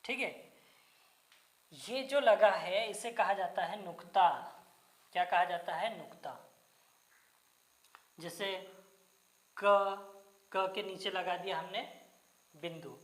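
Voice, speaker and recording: A woman's voice: fairly low pitch, echoey room. A woman teacher giving a grammar lecture, asking questions and answering them herself and repeating the key terms. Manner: patient, deliberate explaining. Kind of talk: classroom Hindi grammar lecture.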